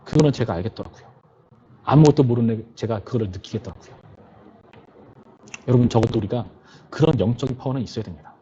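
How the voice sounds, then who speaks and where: A man's voice: medium pitch, quick pace, long pauses, dark tone, muffled recording, a little hiss or hum. A male pastor preaching to a youth service in a conversational way, often putting questions to his listeners.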